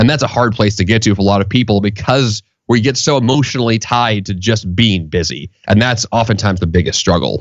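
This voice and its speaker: An unremarkable speaking voice with an American accent moves at a fairly quick pace with hardly any pauses. Loudness stays very even, and pitch varies in an ordinary way. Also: man, fairly low pitch for a man. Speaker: author and productivity guest. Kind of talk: podcast interview. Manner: conversational, casual.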